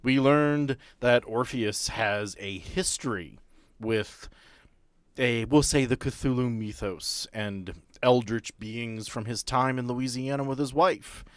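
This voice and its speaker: A man with a mid-pitched voice hosts a tabletop game podcast as game master. He shifts between casual banter and storytelling narration. The sound is dry and close. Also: takes it slowly, smooth, no room sound.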